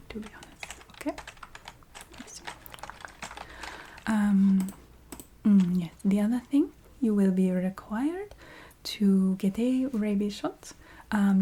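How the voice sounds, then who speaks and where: Woman playing a slow, whispering vampire recruiter lady. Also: medium pitch. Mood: businesslike, confiding. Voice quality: soft, breathy whisper. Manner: hesitant, matter-of-fact, checking in with the listener. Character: chatty female vampire staffing recruiter, breezy and businesslike. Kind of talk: whispered ASMR roleplay.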